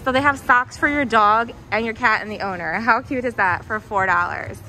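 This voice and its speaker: This young American shopping vlogger speaks at a normal speed in a fairly high, sharp voice, excitedly praising items in a discount store. She records on a handheld camera or phone, and the rough recording has music plus a little hiss or hum.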